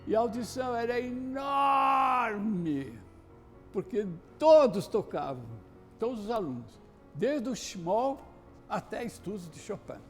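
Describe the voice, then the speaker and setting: A man recalling old memories in an unhurried testimony, often adding "né". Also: sits high, big pitch swings. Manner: nostalgic, unhurried, with many "né" tags. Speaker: interviewee sharing memories. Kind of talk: reminiscing testimony. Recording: piano music underneath.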